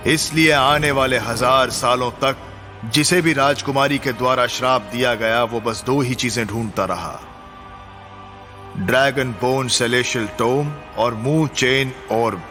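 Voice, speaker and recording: A bright, grave film storyteller. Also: male voice, medium pitch, measured pace, faint music behind. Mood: solemn. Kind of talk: dubbed film narration.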